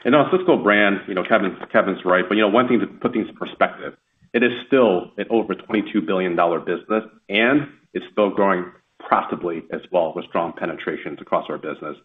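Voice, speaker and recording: A male company executive adding figures to an answer on an earnings call, brisk and upbeat. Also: deep voice. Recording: tinny phone line.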